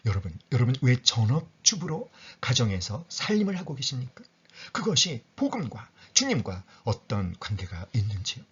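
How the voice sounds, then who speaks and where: Pastor, male, husky voice that rises and falls widely; sermon with rhetorical questions and sudden whispers, dull lo-fi recording. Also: medium pitch, wildly swooping pitch, normal speed, a bit bright.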